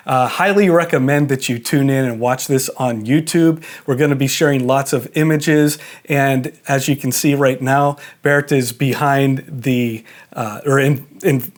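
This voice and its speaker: A man hosting a podcast, chatty and informal, with frequent fillers as he introduces his guest. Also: mid-range voice. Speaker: podcast host.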